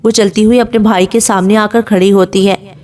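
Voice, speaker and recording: A woman narrating a serialized romance novel in an even storytelling manner. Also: medium pitch.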